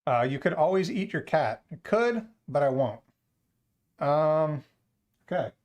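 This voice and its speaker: A man's voice: fairly high pitch, expressive, measured pace, darkish tone. A man hosting a casual livestream, joking and rambling to his chat. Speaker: livestream host.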